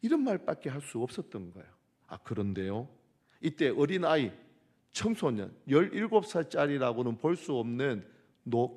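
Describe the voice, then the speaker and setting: A male pastor preaching a sermon emphatically, swinging between loud and soft. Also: mid-range voice.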